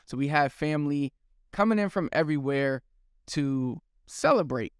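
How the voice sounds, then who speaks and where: A man's voice: on the high side, lively intonation, moderate pace, clear, resonant tone, no room sound, studio quality. A man hosting a language channel, giving a chatty, explanatory vlog introduction.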